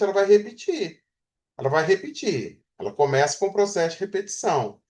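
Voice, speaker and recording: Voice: medium pitch, darkish tone. A Portuguese teacher giving a grammar lecture, explaining through everyday examples and often checking in with the class.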